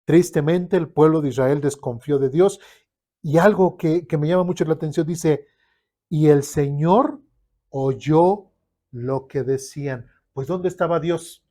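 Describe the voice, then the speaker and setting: A man preaching a lively sermon. His voice sits a bit high and sounds mellow and dark. He asks the congregation questions and acts out people's complaints. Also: a little slow.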